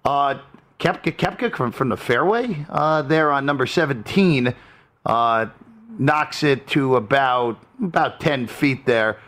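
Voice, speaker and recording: A man's voice: mid-range voice, a little slow, fairly bright tone. A man hosting a sports show, giving live updates in the manner of a golf commentator.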